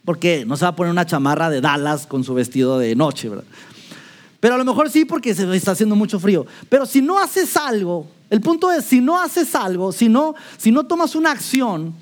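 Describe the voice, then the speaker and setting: A man's voice: high voice, animated, fairly quick. A man with a Mexican Spanish accent preaching a sermon, asking rhetorical questions and acting out playful scenes. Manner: rhetorical questions, playful role-play asides. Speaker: pastor.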